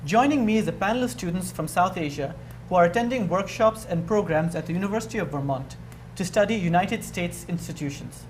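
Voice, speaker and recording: Panel moderator, young man, formal and measured, roomy echo with steady background hiss. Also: high voice. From Bangladesh. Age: young adult. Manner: measured, formal, repeats words while thinking. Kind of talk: hosting a student panel discussion. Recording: echoey room with background noise.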